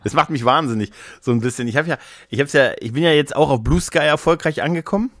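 A man's voice: a little high, fast talker, fairly bright tone, no room sound, studio quality. A man chatting casually as a podcast co-host, rambling and often interrupting himself.

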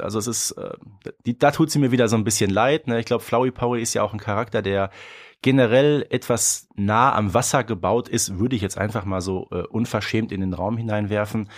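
A man co-hosting a podcast, chatting casually as he recaps, often tagging questions onto his sentences. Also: fairly low pitch. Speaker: podcast co-host.

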